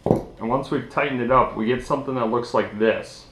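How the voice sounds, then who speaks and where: A young adult man hosts a casual, hands-on DIY tutorial while sitting at a table in a small indoor room. His mid-range voice moves at a normal speed, and the recording is echoey with background noise.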